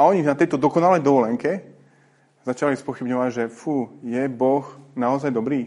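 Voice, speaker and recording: Over a quiet background, a man talks at a fairly slow pace with a medium pitch and ordinary pitch variation. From eastern Slovakia, Prešov. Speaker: visiting preacher. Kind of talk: sermon. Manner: halting, with repetitions.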